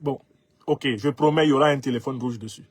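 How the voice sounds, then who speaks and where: Husky Cameroonian man in his fifties. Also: mid-range voice, quick pace, no echo. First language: Bassa. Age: 50s. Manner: emphatic, rhetorical, laughs at his own jokes. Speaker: commentator reading viewer comments. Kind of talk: commentary on social media comments.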